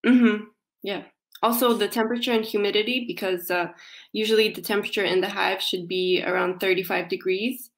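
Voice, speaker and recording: A woman's voice: mid-range voice, fairly even intonation, brisk. Young woman explaining on a video call. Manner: casual, explanatory, many fillers like "like" and "uh". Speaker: company representative. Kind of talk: remote interview. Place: small indoor room, plain wall. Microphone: video call, laptop camera.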